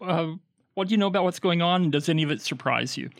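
A man's voice: a little high, fast, creaky. A man co-hosting a podcast, who asks questions casually and hesitantly, with many fillers. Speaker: podcast co-host.

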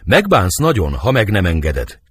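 A man's voice: low-pitched, wildly swooping pitch, slightly rough, no room sound, studio quality, heavily acted. A man reading the part of Benvolio, an earnest young friend, coaxing with questions in verse for an audiobook.

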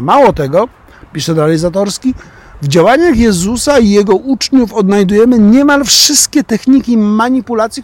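A man's voice: sits high, husky. An older man reading his opinion column on the radio, stressing key words with emphasis.

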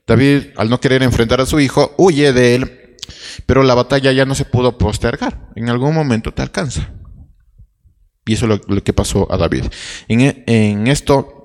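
A man's voice: mid-range voice, normal speed, darkish tone, long reverb tail. A man preaching a sermon, telling a Bible story with restarts and rhetorical questions.

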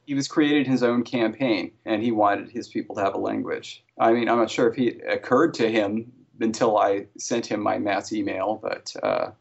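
A man as an interview guest, talking in a relaxed, chatty way with wry jokes. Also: on the low side, moderate pace, vocal fry, few pauses, husky. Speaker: interview guest, language creator. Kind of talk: casual interview conversation. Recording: slightly dull lo-fi audio.

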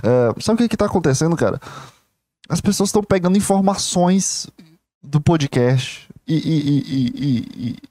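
A young man talks through his thoughts on a solo podcast, candid and self-reflective, often stumbling and restarting mid-phrase. His voice sits a little high for a man yet sounds mellow and dark in tone. The recording is close and dry, with no room around it. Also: expressive, normal speed, no room sound. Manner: rambling, stream-of-consciousness with many restarts. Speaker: podcast host.

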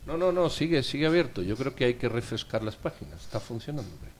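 A man's voice: medium pitch, very animated, fast talker, a little hiss or hum. A man co-hosting a radio interview who asks probing, insistent questions. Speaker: radio co-host.

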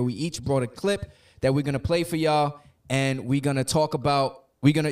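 Late-20s male podcast host from New York, loose and joking, a bit off-mic. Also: mid-range voice. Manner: loose, joking, talks over the others. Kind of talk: casual chat. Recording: distant from the mic.

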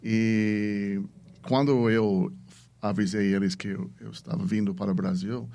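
A man's voice: lowish voice, steady tone, measured pace, creaky, mellow. A man with an American accent, a native English speaker, talking casually as a podcast guest and searching for words in his second language. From United States. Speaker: podcast guest, venture capitalist.

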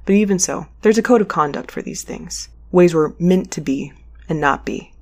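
A wry, restless mail courier of the space lanes, in an audio drama. The voice sits a little low and has a husky grain. The delivery is conversational and sardonic, like someone muttering to themself. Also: female voice, normal speed. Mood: pensive, curious. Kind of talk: audio drama acting with first-person narration.

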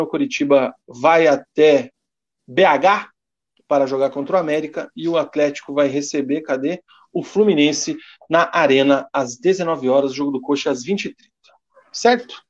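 A man's voice: fairly high pitch, a little mellow, muffled recording. A Brazilian man co-hosting a casual sports podcast, reading standings and listener comments with a joking tone. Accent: Brazilian Portuguese. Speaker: podcast co-host.

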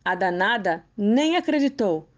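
A woman narrating a folk tale in an expressive, measured storybook reading for radio listeners. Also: medium pitch, lo-fi sound. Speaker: guest storyteller.

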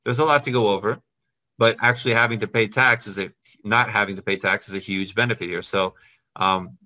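Man, business host, lowish voice, bright forceful tone, chatty and friendly. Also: fairly even intonation, fairly quick. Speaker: business consultant and channel host. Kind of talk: casual video call, then talking to camera.

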